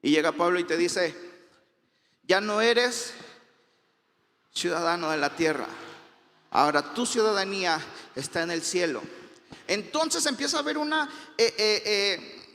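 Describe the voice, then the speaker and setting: A man's voice: high voice, animated, measured pace, pauses often, pushed and bright, in a large hall. A young adult man with a Mexican Spanish accent preaching a sermon in a conversational way, full of fillers and restarts. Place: church hall.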